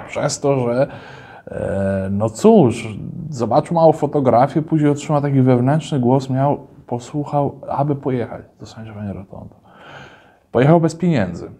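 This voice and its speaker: A man's voice: mid-range voice, warm tone. Earnest man telling a devotional story. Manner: earnest, reads a testimony aloud and adds reverent comments. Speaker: host of a religious channel.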